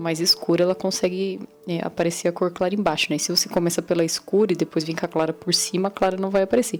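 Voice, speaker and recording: A woman with a Paraná accent at a medium pitch and very fast pace, with music in the background. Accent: Paraná Brazilian Portuguese. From Paraná, Brazil. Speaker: self-taught painter. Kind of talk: art tutorial narration.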